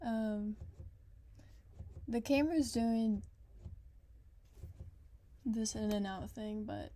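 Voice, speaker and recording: At a very slow pace and with long, frequent pauses, a woman speaks fairly high, somewhat breathy and dark and mellow in tone, with ordinary pitch variation. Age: 20s. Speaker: podcast host. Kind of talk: casual talk to camera. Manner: casual, rambling.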